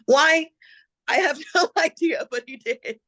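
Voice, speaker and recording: Bright-voiced chatty middle-aged woman. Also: high voice, animated, slow pace. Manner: chatty, laughs often, emotional when remembering. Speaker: guest. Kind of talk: casual conversation.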